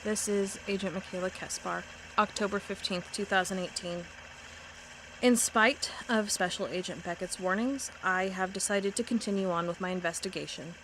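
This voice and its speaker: An actress playing a determined federal agent, reading a case report earnestly over music. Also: female voice, mid-range voice, steady tone, moderate pace, a bit bright, slight background noise, close to an everyday voice, rough recording. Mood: intent. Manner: earnest, intent, reads formally. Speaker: investigating agent. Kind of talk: audio drama monologue reading a report. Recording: music bed under voice.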